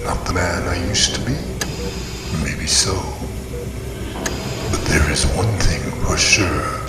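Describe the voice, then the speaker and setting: An actor playing a menacing, vengeful villain who broods slowly and deliberately in an audio drama monologue. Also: male voice, low voice, very noisy. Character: menacing vengeful villain, a crippled man scheming from a coma. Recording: echoey, distant, loud music.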